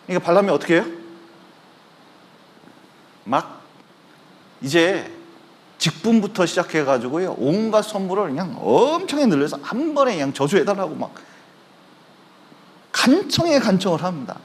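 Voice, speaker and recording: In a church sanctuary, a male pastor with a voice on the high side preaches a sermon at a moderate pace, pausing often. He tells stories with animation and acts out the voices of the people in them.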